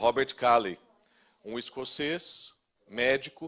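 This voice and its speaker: With a Brazilian accent, a man speaks at medium pitch with ordinary pitch variation. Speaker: pastor. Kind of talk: sermon. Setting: church.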